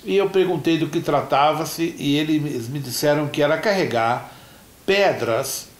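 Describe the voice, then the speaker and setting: A man's voice: on the high side, a little slow. A middle-aged Brazilian man with a Brazilian Portuguese accent, a pastor telling a story in a sermon and acting out the dialogue. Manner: animated storyteller who acts out dialogue. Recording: roomy church echo.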